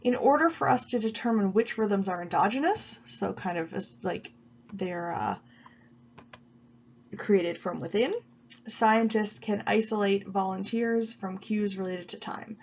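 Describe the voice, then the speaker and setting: A woman giving a recorded video lecture while she has a cold, explaining at an even pace with frequent ums. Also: mid-range voice, measured pace, muffled recording, a little hiss or hum. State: stuffy with a cold. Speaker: college psychology instructor.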